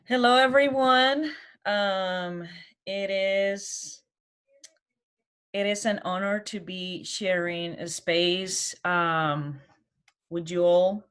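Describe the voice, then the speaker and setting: Halting, slow-paced Colombian-accented woman speaker. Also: mid-range voice, fairly even intonation, fairly bright tone, clear, resonant tone. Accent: Colombian Spanish. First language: Spanish. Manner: halting, hesitant, many pauses and false starts. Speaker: guest speaker, college program manager. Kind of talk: informal personal presentation.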